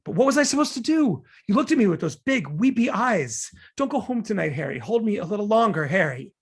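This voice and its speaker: A man's voice: high-pitched, sing-song, fairly quick, gravelly, full character voice. An actor playing a defensive, exasperated man arguing with his lover in a table read of a romantic comedy. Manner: argumentative, self-justifying.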